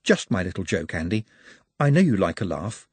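A man voicing a polite, precise male orc who stays menacingly calm and speaks in formal, pedantic phrases. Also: deep voice, fairly quick, husky, no echo, voice pushed down, heavily acted. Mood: calmly menacing.

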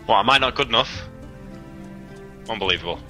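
A man's voice: on the low side, animated, a little fast, pushed and bright, faint music behind. A British man playing in a livestreamed tabletop game, chatting casually, swearing freely and stumbling over his words. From United Kingdom. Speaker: player.

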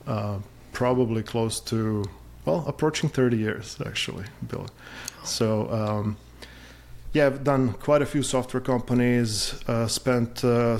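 A man's voice: mid-range voice, vocal fry, a little mellow. A man in his forties from Serbia, chatting casually as an interview guest, with lots of fillers and a self-deprecating humor.

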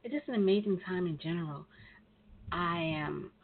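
A woman's voice: lowish voice, normal speed. Nasal woman radio host on a phone line. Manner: chatty, rambling, many ums. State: congested from a cold. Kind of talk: casual talk radio hosting. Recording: tinny phone line with faint hiss.

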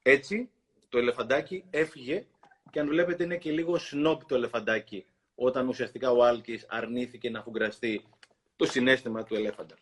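A man hosting a talk, reading a children's book aloud in an expressive storytelling way and pausing to comment. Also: medium pitch, slight background noise. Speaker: host.

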